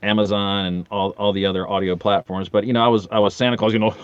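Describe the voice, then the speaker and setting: A man's voice: lowish voice, sing-song, fairly quick, dull audio, very noisy. A man in his forties chatting casually as a podcast guest, telling rambling, jokey anecdotes with casual swearing. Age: 40s.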